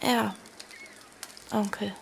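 A woman's voice: mid-range voice, fairly even intonation, drawn-out words, vocal fry, husky, exaggerated voice. A woman playing an earnest fifteen-year-old niece who also narrates her story in an audio drama. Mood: timid, polite. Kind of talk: audio drama acting and first-person narration.

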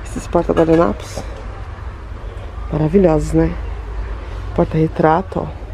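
A woman from Brazil films a tour of a home goods store on her phone, enthusing over every item and talking straight to her viewers. Her voice is mellow and soft-edged. A faint hiss of noise sits behind her. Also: low voice, flat delivery, a little slow. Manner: enthusiastic, gushing over items, chatty asides to viewers. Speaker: home decor vlogger. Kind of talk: store tour vlog, showing products.

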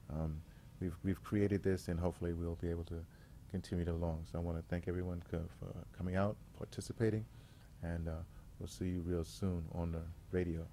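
Give this a man with a low, dark voice. He addresses a gathering informally as an artistic director, pausing often to find his words. There is faint ambient noise behind him. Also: vocal fry. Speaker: radio theater artistic director, guest facilitator.

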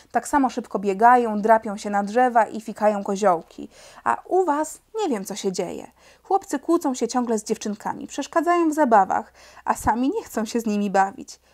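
A woman's voice: on the high side, animated, moderate pace, a little mellow, lightly acted. A woman reading aloud and voicing a bold, outspoken young girl who lectures a crowd indignantly in a storybook.

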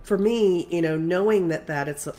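A woman's voice: lowish voice, normal speed, dark tone. A woman spiritual coach who is congested, talking casually and rambling with many fillers and restarts. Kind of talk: casual spiritual talk to camera.

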